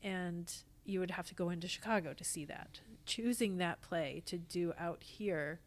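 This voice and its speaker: A woman's voice: lowish voice, moderate pace. A middle-aged American woman talking casually as a theatre guest on a podcast. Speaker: podcast guest, theatre actor and company founder.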